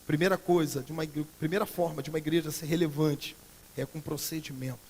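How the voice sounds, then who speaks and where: A Brazilian pastor preaching a sermon in a church, swinging between loud emphatic outbursts and quiet earnest passages. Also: male voice, on the high side, steady tone, quick pace, long reverb tail, slight background noise. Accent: Brazilian Portuguese. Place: church sanctuary.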